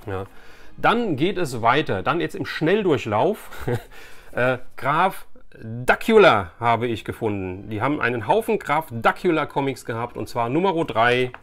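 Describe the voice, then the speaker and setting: A man's voice: medium pitch, big pitch swings, measured pace, a bit bright. Chatty male collector vlogging, music behind. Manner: anecdotal, conversational, addressing viewers directly. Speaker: YouTube host, collector. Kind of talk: casual chatty vlog. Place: small indoor room with shelves of collectibles.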